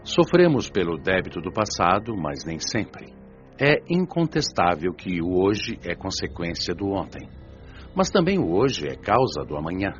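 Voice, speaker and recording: A man's voice: low voice, big pitch swings, measured pace. A man playing a patient, earnest father who teaches like a preacher in a radio drama, didactic and solemn. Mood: earnest, instructive. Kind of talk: audiobook radio drama, sermon-like lecture. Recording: dull lo-fi audio with music behind. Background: music.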